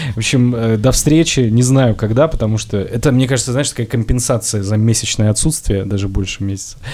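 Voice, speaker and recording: A man with an unremarkable speaking voice, fairly quick pace, hardly any pauses and ordinary pitch variation. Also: medium pitch for a man. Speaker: podcast host. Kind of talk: casual chat. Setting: studio.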